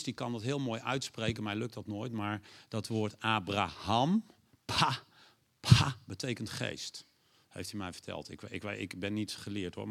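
A man preaching a sermon, lively and animated, acting out God's lines in a raised voice and putting questions to the audience. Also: on the low side, gravelly.

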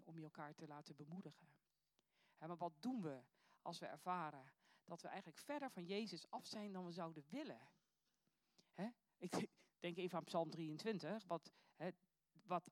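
A woman's voice: on the low side, a little mellow, no room sound. A woman reading scripture aloud and then giving an earnest, reflective sermon that poses searching questions to her listeners. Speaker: preacher.

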